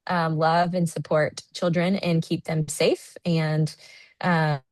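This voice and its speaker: A woman's voice: deep voice, flat delivery, slow, darkish tone, dry recording. An American woman in her thirties presenting on a video call, chatty and friendly with many fillers, tired from lack of sleep. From United States. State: sleep deprived. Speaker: guest presenter. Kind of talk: online presentation.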